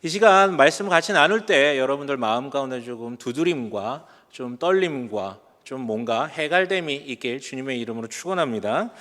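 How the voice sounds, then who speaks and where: A man's voice: medium pitch, expressive, normal speed, hardly any pauses, fairly bright tone. A man in his forties, a pastor giving a chatty, self-deprecating sermon and telling stories with humor. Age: 40s. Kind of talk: conversational sermon. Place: church sanctuary. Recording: long hall reverb from a church sanctuary.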